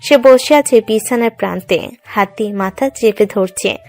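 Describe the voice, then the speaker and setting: A woman's voice: on the high side, moderate pace. A woman reading dramatic scripted narration for a love story. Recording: music under the voice.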